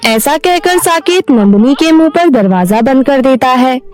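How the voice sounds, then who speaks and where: A woman's voice: high-pitched, lively intonation, a little slow, a little mellow, faint music behind. A woman reading a scripted children's story as its narrator.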